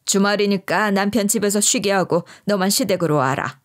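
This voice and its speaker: A woman's voice: mid-range voice, normal speed, close to an everyday voice. A woman voicing a bossy, scornful middle-aged mother-in-law who barks orders and scolds. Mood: commanding. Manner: harsh, scolding, shouting.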